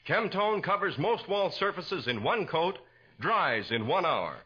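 Bright, animated 1940s radio announcer, American man. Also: high-pitched, unhurried, slightly rough. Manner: polished, emphatic salesmanship. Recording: dull, muffled 1940s radio recording.

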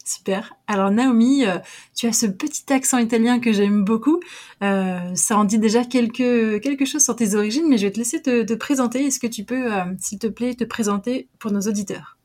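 A woman's voice: fairly high pitch, normal speed, darkish tone. A woman in her thirties hosting an interview podcast, upbeat and friendly as she introduces and questions her guest. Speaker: podcast host, interior designer. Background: faint music under intro.

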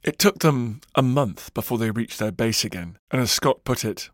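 A man's voice: mid-range voice, lively intonation, normal speed, dry recording, clean studio sound. Dramatic male documentary narrator. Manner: dramatic storytelling, varied emphasis. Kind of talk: scripted historical narration.

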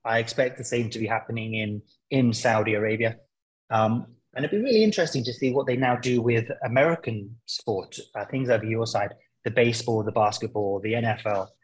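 A man's voice: mid-range voice, brisk, husky, rough recording. A man speaking as a football pundit guest in a conversational interview, explaining his points with hesitant, searching phrasing.

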